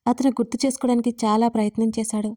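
A woman narrating a scripted audio story in a steady, even reading. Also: fairly high pitch, rapid-fire. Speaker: storyteller and writer.

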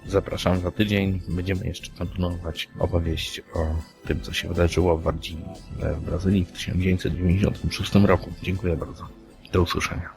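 A man's voice: sits low, level tone, a little fast. A man from Poland hosting a podcast, presenting in a conversational way. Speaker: podcast host. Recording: clear music under the voice. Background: background music.

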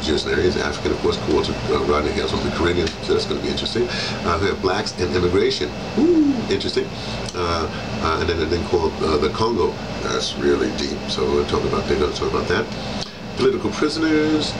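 An American man in his sixties chatting casually to camera in a halting, digressive way, thinking aloud. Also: very deep voice. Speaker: travel vlogger. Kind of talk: casual rambling chat to camera. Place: hostel lounge, small indoor room. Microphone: camera mic on the table, a short way off. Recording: noisy air-conditioning hum, distant microphone. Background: loud air conditioning.

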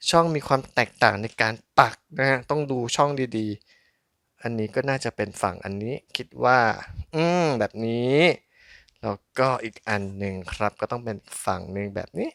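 Male unboxing host, bright tone, dry sound. Chatty, polite, informal hands-on commentary, thinking out loud. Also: mid-range voice, no room sound. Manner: polite, chatty, thinking aloud while handling objects. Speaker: host of a collectible toy unboxing channel.

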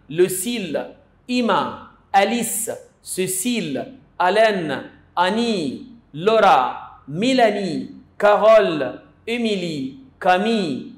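A man with an Egyptian Arabic accent giving a playful, casual French lesson, explaining slowly with little stories. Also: high-pitched, roomy sound. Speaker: French teacher.

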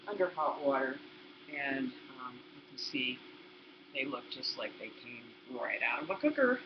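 A woman in her sixties giving a chatty home cooking demonstration in her kitchen, explaining each step to the viewer. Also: sits low. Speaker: cooking instructor. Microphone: laptop built-in mic. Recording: roomy, dull lo-fi laptop sound with background noise.

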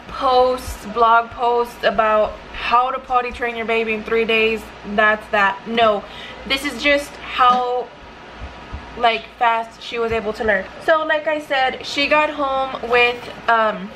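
A woman's voice: on the high side, pushed and bright, a little hiss or hum, poor audio. A young woman chatting casually to camera in her living room, a mom vlogger full of "like" and quoted bits of her toddler. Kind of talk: casual vlog talk to camera. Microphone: camera in front.

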